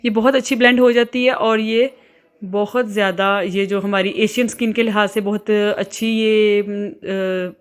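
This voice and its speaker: A woman's voice: mid-range voice, steady tone, smooth. Chatty Pakistani woman vlogging from home. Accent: Pakistani Urdu. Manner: chatty, many filler pauses. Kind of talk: casual home vlog.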